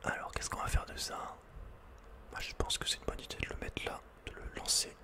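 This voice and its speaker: Here the ASMR game commentary comes fairly quickly, whispered by a man in a breathy, unvoiced voice right up against the mic. His tone is playful and casual.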